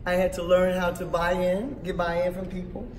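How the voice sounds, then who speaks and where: A raspy-voiced woman, animated and emphatic, telling her story on a panel and laughing often. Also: fairly low pitch, moderate pace, echoey room, recorded from a distance, slight background noise. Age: 50s. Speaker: panel speaker, veteran author. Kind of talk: conversational storytelling. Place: small indoor room at a conference.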